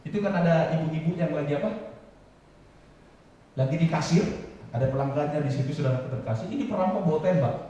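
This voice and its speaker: A man preaching a sermon, often rising to loud, high, emphatic lines and quizzing the congregation. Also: quick pace, long pauses, muffled recording. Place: large church hall. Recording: echoey hall from far off.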